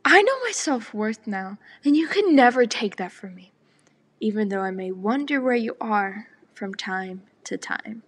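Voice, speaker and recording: A teenage girl slowly reciting a spoken word poem, often half-whispered. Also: mid-range voice, lively intonation, a bit bright, slightly rough. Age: teens. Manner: slow and deliberate, partly whispered.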